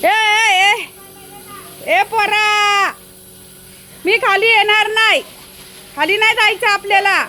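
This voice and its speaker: A woman's voice: very high voice, steady tone, takes it slowly, pauses often, pushed and bright. A woman, chatting casually and coaxing her dog while out walking. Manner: coaxing, scolding the dog playfully. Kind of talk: casual chat with pets and neighbors. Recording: noisy outdoor ambience.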